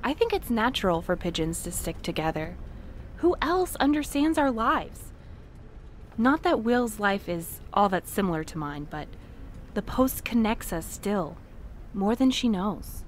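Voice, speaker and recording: A woman's voice: mid-range voice, big pitch swings, a little slow, slight background noise. An actress playing an earnest, romantic, stubborn woman courier, emotionally open, in a naturalistic audio drama.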